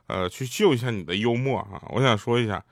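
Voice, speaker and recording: A man doing a stand-up comedy set on stage, telling deadpan stories and acting out quotes. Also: medium pitch, fast talker, gravelly, no room sound, studio quality. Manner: deadpan storytelling with acted quotes. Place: stage with live audience.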